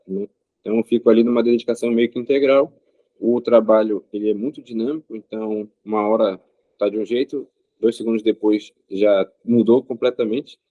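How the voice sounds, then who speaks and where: Low-voiced man, measured. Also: dry recording, phone-quality sound. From Rio de Janeiro state, Brazil. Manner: measured, frequent pauses with filler sounds. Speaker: interview guest. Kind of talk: casual interview answers.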